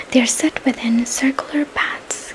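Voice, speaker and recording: The speaker is whispering at a very slow pace. Noticeable background noise is present. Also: woman. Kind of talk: ASMR book reading, fiction narration. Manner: soft-spoken.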